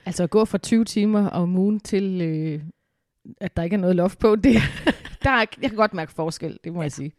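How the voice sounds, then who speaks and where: A woman's voice: lowish voice, a little mellow, no room sound, clean studio sound. A woman co-hosting a podcast in casual chat, upbeat and rambling with fillers, with a cold, at home in a living room. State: has a cold. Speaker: podcast co-host.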